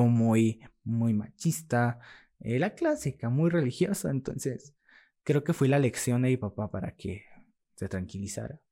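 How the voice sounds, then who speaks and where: Young Mexican-accented man, podcast guest, candid and animated storyteller who voices the people in his story. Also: medium pitch. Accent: Mexican Spanish. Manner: lively, acts out quoted dialogue, laughs while telling. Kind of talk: casual storytelling in an interview.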